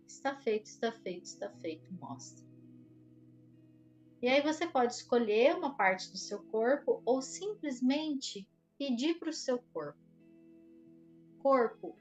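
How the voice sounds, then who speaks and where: A Brazilian woman leads a guided meditation at a slow pace, leaving long pauses between instructions. Her voice sits at a middle pitch for a woman, with music playing behind it.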